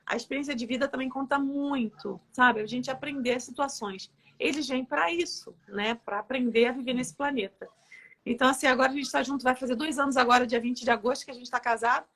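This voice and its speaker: A woman, a therapist and guest, telling stories in a casual interview with a lively, laughing manner. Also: sits high, fairly quick. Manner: lively storyteller, laughs often. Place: live online interview.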